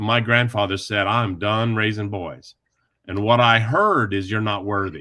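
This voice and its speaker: With a plain, everyday voice, a man talks at a moderate pace in a fairly low pitch with fairly even intonation. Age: 60s. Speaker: guest expert on fatherhood. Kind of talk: talk show discussion.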